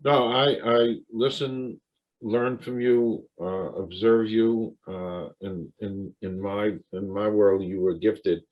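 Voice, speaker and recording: Low-voiced halting male interview host. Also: fairly even intonation, muffled recording. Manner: halting, many fillers and restarts. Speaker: talk show host. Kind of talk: interview conversation.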